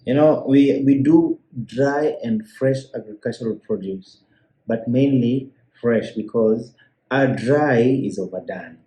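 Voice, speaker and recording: A man's voice: mid-range voice, slow, dark tone. A man with a Kenyan accent, a business owner chatting easily as a guest, with hesitant restarts. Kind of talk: casual interview chat. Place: room in Kenya. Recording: echoey room.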